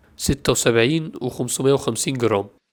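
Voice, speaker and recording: A man speaks in a normal speaking voice at medium pitch. His pitch varies in the ordinary way, and his pace is moderate. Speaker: fitness vlogger. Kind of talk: vlog narration. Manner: casual, conversational.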